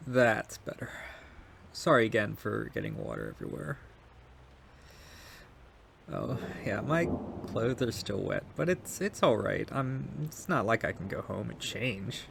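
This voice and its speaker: A man's voice: on the low side, big pitch swings, measured pace, vocal fry, a bit bright, slight background noise, heavily acted. A man playing a shy, polite and kind young male neighbor in an intimate ASMR roleplay, speaking hesitantly and apologetically, with stammers. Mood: apologetic, polite.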